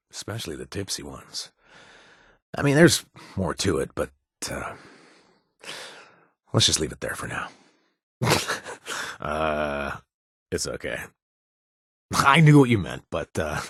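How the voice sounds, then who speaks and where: A man's voice: low-pitched, fairly bright tone, husky, no room sound, studio quality, full character voice. An actor playing a wry adult male bartender and former gang member, joking and conspiratorial, in video game voice lines. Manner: joking and conspiratorial, laughs often.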